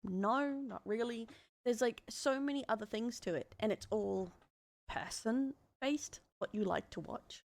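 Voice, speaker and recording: A woman's voice: on the high side, unhurried, dry recording. A woman with an Australian accent giving casual, rambling streaming commentary.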